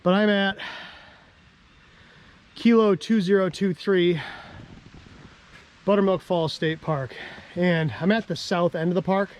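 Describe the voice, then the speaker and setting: American guy kinda out of breath, high-ish voice, rambling outdoors, keeps clearing his throat. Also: steady tone, slow pace, pauses often. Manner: chatty, self-deprecating, clears throat often. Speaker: ham radio vlogger. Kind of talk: casual outdoor vlog. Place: outdoors on a dam in a park.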